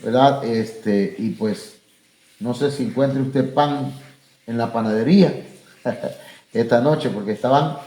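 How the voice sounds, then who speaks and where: A man's voice: medium pitch, slow pace, long pauses, warm tone, reverberant. A man with a Mexican Spanish accent, preaching and leading prayer in a plain, conversational way with many fillers. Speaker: pastor. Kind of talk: sermon and closing prayer to a church and online viewers. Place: church sanctuary.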